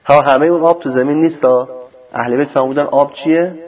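A man teaching a religious lecture on scripture, explaining verses slowly and arguing with a sarcastic edge. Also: on the high side, steady tone. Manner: sarcastic, argumentative. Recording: dull lo-fi recording.

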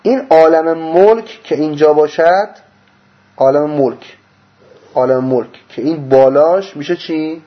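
A religious teacher explains a diagram during a mystical lecture, answering the rhetorical questions he poses. His volume shifts between loud bursts and soft murmurs. The recording has a dull, lo-fi sound.

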